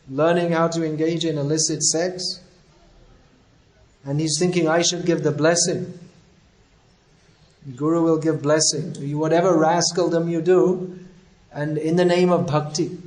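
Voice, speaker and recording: A man's voice: on the high side, darkish tone, echoey room, low-quality recording. A man, a spiritual teacher, giving a religious lecture that tells stories with quoted dialogue and scolds.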